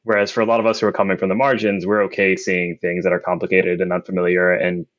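A man on a podcast panel, speaking in a measured, reflective way. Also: low-pitched, monotone, a bit bright, no echo, dull audio. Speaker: guest co-host. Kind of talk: casual chat.

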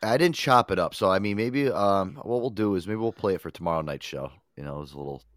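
A man's voice: low voice, fast talker, dry recording, clean studio sound. A man hosting a radio show in casual, profane chat, stuffed up with a head cold. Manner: swears often, laid-back rambling.

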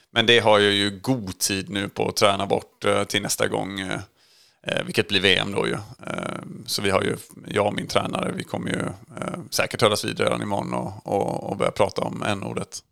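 A self-assured champion with a low, gravelly voice, played by a man in a comedy sketch, pausing on frequent ums. The sound is dry and close. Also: fairly even intonation, bright, forceful tone, no room sound. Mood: smug. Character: smug male champion interviewed on a studio show.

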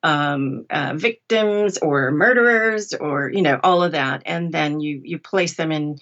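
Low-voiced woman, slightly muffled audio. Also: measured pace, fairly bright tone. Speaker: audiobook narrator, interview guest. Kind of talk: thoughtful interview conversation.

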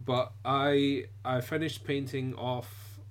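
A man co-hosting a hobby podcast, chatting casually and quietly with frequent restarts and fillers. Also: mid-range voice, flat delivery, noisy background. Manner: soft-spoken, halting, full of restarts. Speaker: podcast co-host and miniature painter. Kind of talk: casual chat.

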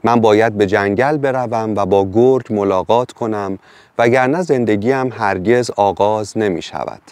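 A man's voice: lowish voice, darkish tone, dry recording, natural voice. A man voicing a brave, stubborn young village girl in a storybook reading, speaking earnestly.

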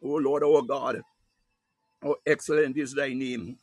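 A man's voice: mid-range voice, steady tone, unhurried, slightly rough, dry recording. A man leading fervent, unscripted Christian prayer in a declamatory way, breaking it into short phrases punctuated by exclamations. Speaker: prayer leader.

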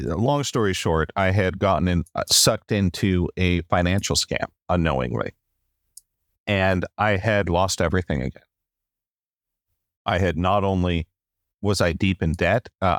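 A middle-aged man from the United States, a podcast guest telling his story in an animated way and often asking "right?". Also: low voice, unhurried, dry recording, clean studio sound. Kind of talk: storytelling in a conversation.

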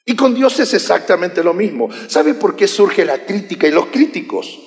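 A man delivering a sermon with a raised, lively voice that leaps up and down in pitch. He is animated and teases the congregation between points. The sound carries a long echo from a big church hall. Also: moderate pace. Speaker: pastor. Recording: echoey hall reverb.

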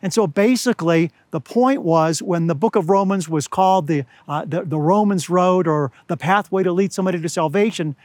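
Hoarse older man preaching a sermon outdoors. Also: high-pitched, darkish tone, no room sound. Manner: earnest, deliberate, slows to stress words. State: slightly hoarse. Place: outdoors among pine trees at high altitude.

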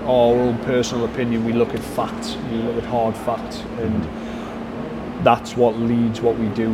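A man explains his coaching approach in a conversational interview style, often circling back on his phrases. His pitch is mid-range and stays fairly flat. Steady background noise sits behind the voice. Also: measured pace. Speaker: performance coach being interviewed.

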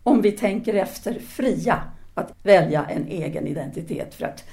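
A woman's voice: on the low side, expressive, creaky, mellow. An actress playing a self-assured, independent-minded French woman teacher in a 1930s audio drama, speaking formally and didactically. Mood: assured, explaining. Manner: formal, articulate, didactic, with hesitant pauses.

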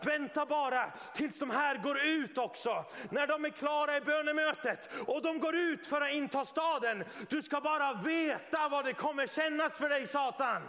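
A man preaching, voicing God as a mighty male warrior who calls out loudly and taunts his enemy. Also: extremely high pitch, hardly any pauses, big-room sound, pitched above the performer's own voice. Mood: taunting. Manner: rousing, calling out loudly.

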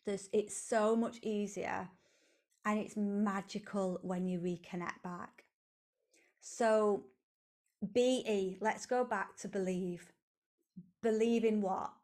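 A woman gives a motivational solo talk at an unhurried pace. Her pitch sits in an ordinary middle range. She talks earnestly and repeats her phrases as she coaches the listener. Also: fairly even intonation, darkish tone. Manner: slow, earnest, repetitive phrasing. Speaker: podcast host, coach.

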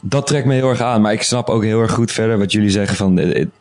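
A man's voice: fairly low pitch, fast, a little mellow, dry recording. A man co-hosting a game podcast in casual chat, talkative and full of restarts and fillers.

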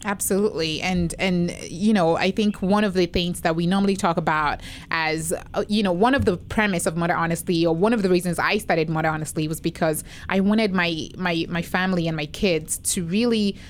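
A woman's voice: fairly low pitch, fairly even intonation, fairly quick, a little hiss or hum. A woman hosting a podcast, speaking reflectively in long, winding sentences during a casual interview. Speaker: podcast host.

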